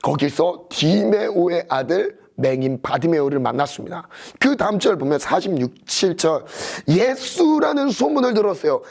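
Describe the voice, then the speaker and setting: A man preaching a sermon as pastor, reading scripture aloud and retelling it with lively emphasis. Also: moderate pace, gravelly. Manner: animated preaching with scripture reading, pitch swinging high and low.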